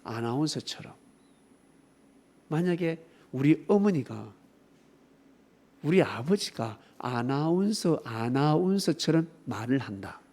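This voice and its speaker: A man preaching a sermon with a fairly high, very lively voice. He shifts from loud, emphatic declarations to quieter asides and keeps turning to the congregation with rhetorical questions. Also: takes it slowly, pauses often. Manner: emphatic preaching, swinging between loud exclamations and softer asides. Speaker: pastor.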